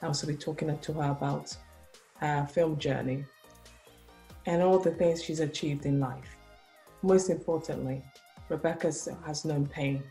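Low-voiced woman hosting an interview. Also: steady tone, warm tone, faint music behind. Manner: halting, self-correcting questions. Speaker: host.

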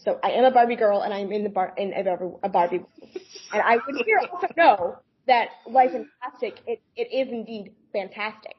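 A woman co-hosting a podcast in casual chat, animated, laughing often and swearing freely. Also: mid-range voice, a little fast. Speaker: podcast co-host. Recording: dull lo-fi podcast audio.

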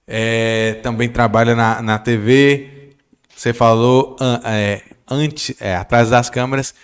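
Teasing Brazilian podcast host. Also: male voice, mid-range voice, slow pace, clear, resonant tone. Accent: Brazilian Portuguese. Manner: relaxed, teasing, slangy. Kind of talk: casual podcast chat.

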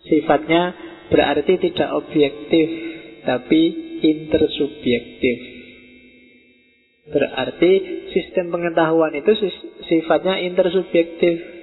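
A middle-aged man giving a relaxed, conversational philosophy lecture to students and slipping into Javanese words. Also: on the high side, slow, long pauses, husky, faint music behind. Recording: tinny phone-like audio in a reverberant hall.

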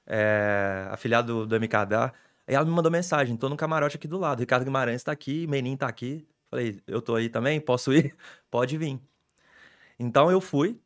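On a casual podcast, a young adult male sports reporter tells stories with excitable, animated energy. His pitch is medium and his delivery brisk.

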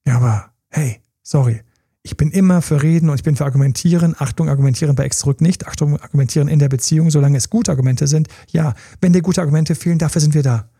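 A man's voice: on the high side, racing, few pauses, warm tone, slightly rough, no echo, studio quality. A man giving relationship coaching in a podcast monologue, talking straight to his listeners in a direct, informal way.

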